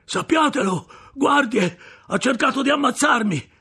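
A man's voice: extremely high pitch, lively intonation, measured pace, gravelly, sharp tone, husky, voice pushed up, full character voice. A man voicing a battered male convict who gasps out his accusation. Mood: gasping. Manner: gasping, pleading. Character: beaten, scarred male convict, gasping.

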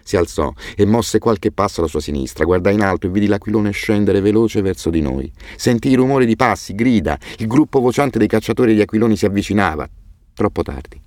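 Deep-voiced man reading a novel aloud. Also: dry recording. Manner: measured, steady storytelling. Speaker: audiobook narrator. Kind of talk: scripted first-person narration.

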